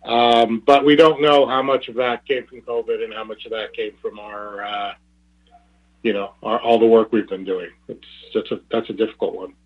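Halting male executive on a tinny phone line. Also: on the low side, fairly even intonation, breathy edge. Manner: halting, hesitant, repeats words. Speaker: company executive. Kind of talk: earnings call commentary. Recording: tinny narrow phone-line conference call.

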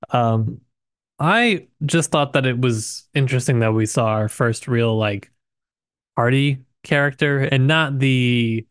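A man's voice: medium pitch, no room sound, studio quality. A man co-hosting a casual book discussion, speaking informally and hesitantly with asides. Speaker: podcast co-host.

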